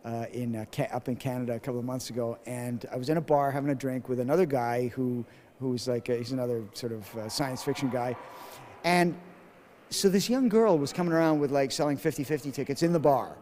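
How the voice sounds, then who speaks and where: A man being interviewed as an actor guest, chatting casually with a rambling, halting and joking manner. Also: medium pitch, a little mellow, long reverb tail, a little hiss or hum.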